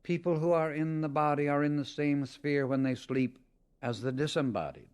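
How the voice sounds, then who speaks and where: A man reading a scripted spiritual teaching as an audiobook, in a solemn, deliberate and emphatic manner. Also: fairly high pitch, darkish tone, clean tone. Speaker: audiobook reader.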